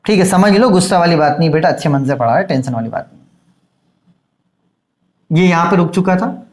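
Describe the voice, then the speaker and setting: A man teaching an engineering exam-prep lecture, loud and intense, fatherly with his students, and dictating definitions slowly word by word. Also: a little high, roomy sound.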